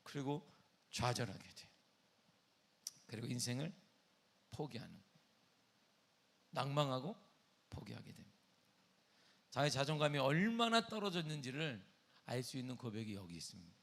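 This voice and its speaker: A male pastor preaching a sermon, reading scripture slowly and rising to impassioned pleading. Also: mid-range voice, sing-song, creaky, fairly bright tone.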